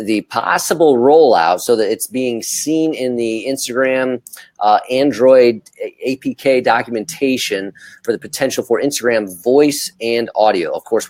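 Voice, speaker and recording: A man's voice: medium pitch, unhurried, a little mellow, no echo. A man co-hosting a casual talk show, piecing his thoughts together with some hesitation.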